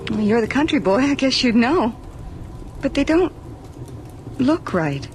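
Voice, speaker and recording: A woman's voice: on the high side, big pitch swings, measured pace, a little mellow. An actress playing a nervous but wry young woman lost in the snow in a radio horror drama, stammering and hesitant. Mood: puzzled, wary. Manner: stammering, hesitant, breathy exclamations. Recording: very noisy old radio drama recording.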